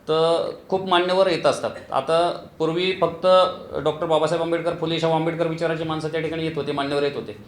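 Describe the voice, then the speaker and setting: A man, the president of a local committee, giving a halting news interview statement with frequent fillers and long lists. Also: fairly high pitch, flat delivery. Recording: echoey room with faint ambient noise.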